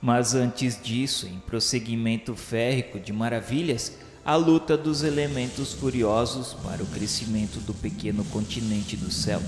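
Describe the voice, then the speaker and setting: A man's voice: mid-range voice, fairly even intonation, moderate pace, few pauses. A man narrating a radio novel in a solemn, grandiloquent, declamatory literary style. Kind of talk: scripted dramatic literary narration. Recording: echoey hall with faint music. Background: faint music.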